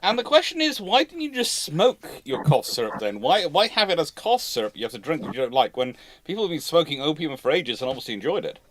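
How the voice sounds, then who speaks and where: A man's voice: on the high side, very animated, fast, few pauses, fairly bright tone. A man hosting a live question-and-answer chat casually, rambling and often restarting his sentences. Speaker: host of a live naval history question show.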